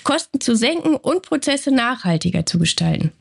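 A woman's voice: on the high side, sing-song, normal speed, creaky, husky. Congested woman news co-host. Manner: friendly, conversational. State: stuffy cold. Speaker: co-host of a company news show. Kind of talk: casual scripted news chat.

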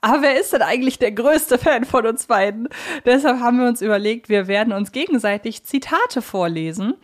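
A woman's voice: fairly high pitch, lively intonation, brisk. Chatty woman hosting a podcast. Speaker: podcast host.

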